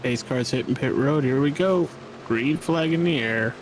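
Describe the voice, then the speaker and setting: A man's voice: mid-range voice, moderate pace, slight background noise, poor audio. A man co-commentating an esports race, chatty analysis mixed with wisecracks.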